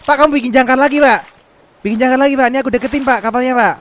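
A man's voice: extremely high pitch, very fast, fairly bright tone, slight background noise. A man playing a survival game with a friend, teasing and laughing often as he jokes through the mishaps. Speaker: gaming YouTuber. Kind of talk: gameplay banter.

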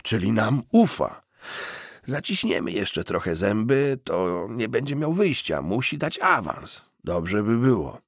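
A man reading as an easygoing, husky gangster sidekick. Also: fairly low pitch, sing-song, unhurried, dry recording, studio quality, exaggerated voice. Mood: persuading. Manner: casual, slangy street talk. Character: stocky, easygoing young male gangster sidekick.

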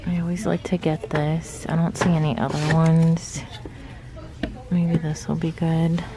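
A woman in her thirties muses aloud through a face mask as she browses store shelves, filming on her phone. Her voice sits a little low and she talks at an unhurried pace. Store noise is plain behind her. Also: little pitch movement. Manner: chatty, musing aloud while browsing. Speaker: vlogger. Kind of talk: casual shop-with-me narration. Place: large store indoors. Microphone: handheld phone camera. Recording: noisy store ambience.

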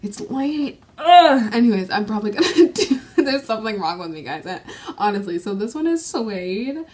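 Young woman, excitable beauty vlogger, gasping and gushing, slightly high voice, camera mic. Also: normal speed. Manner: gushing, excitable, lots of gasps and exclamations. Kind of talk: casual makeup swatching vlog.

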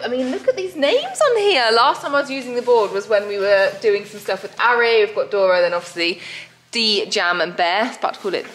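A woman's voice: fairly high pitch, fairly bright tone. A young woman chatting casually in a horse barn, bubbly and full of fillers, filmed close on a handheld camera. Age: young adult. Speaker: horse rider vlogger. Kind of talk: casual vlog chat.

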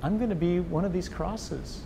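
A man, a Catholic priest, hosting an earnest, animated faith conversation indoors, often repeating words as he gathers his thoughts. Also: sits high, moderate pace, gravelly, background noise. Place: indoors before a wall of memorial crosses.

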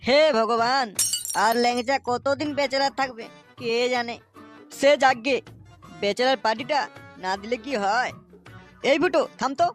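A man's voice: very high voice, normal speed, long pauses, a bit bright, soft background music. A man voicing a rowdy, teasing, crude village boozer in a cartoon comedy.

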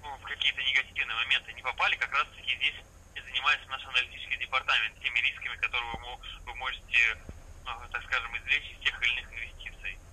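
A man giving a formal, patient phone sales pitch as an investment salesman, heard through a phone speaker in a vehicle. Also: flat delivery, rapid-fire, pushed and bright, slight background noise, rough recording. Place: phone speaker inside a parked vehicle cab.

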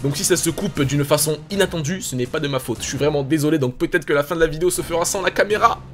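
A man giving excited gameplay commentary, hyped and swearing casually as he talks to his viewers. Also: fairly high pitch, fast, faint music behind. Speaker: gaming YouTuber. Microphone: facecam setup.

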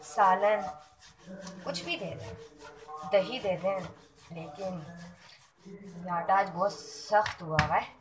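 A woman's voice: mid-range voice, slow pace, pauses often. A woman vlogger chatting homely and casual while she cooks in her home kitchen. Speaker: cooking vlogger. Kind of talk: casual cooking narration. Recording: noisy kitchen recording. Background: clatter of pots and dishes.

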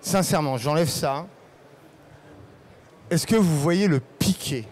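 A man's voice: a little high, takes it slowly, a little mellow, a faint crowd. A middle-aged man, a photographer, giving a casual live talk on a trade fair stage into a handheld mic, with many hesitations and fillers. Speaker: guest photographer.

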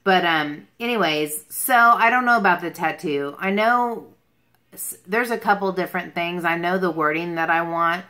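A woman's voice: on the low side, normal speed, sharp tone. A woman in her mid-forties chatting casually on a livestream, rambling from one thought to another as she answers viewers. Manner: rambling, jumps between topics. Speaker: beauty livestream host. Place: small furnished room at home, indoors.

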